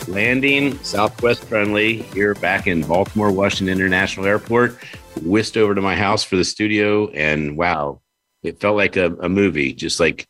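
A man's voice: deep voice, fairly bright tone. A man hosting an interview show, upbeat and rambling in casual chat. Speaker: podcast host.

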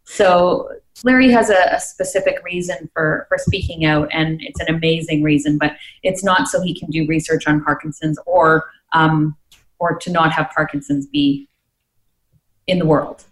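A woman's voice: sits low, normal speed, echoey room, low-quality recording. A woman co-hosting a talk show, upbeat and chatty as she speaks. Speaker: co-host. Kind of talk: casual talk show chat.

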